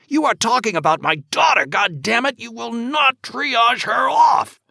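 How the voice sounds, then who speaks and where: A man voicing a desperate, furious father who shouts and rages. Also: very high-pitched, expressive, unhurried, vocal fry, no room sound, clean studio sound, pitched above the performer's own voice, heavily acted. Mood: raging. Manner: shouting, raging.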